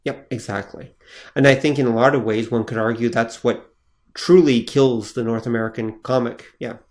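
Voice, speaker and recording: A man's voice: mid-range voice, fairly even intonation, normal speed. A man co-hosting a podcast in casual chat, asking questions and correcting his partner. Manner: attentive, steering the talk with questions and corrections. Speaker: podcast co-host.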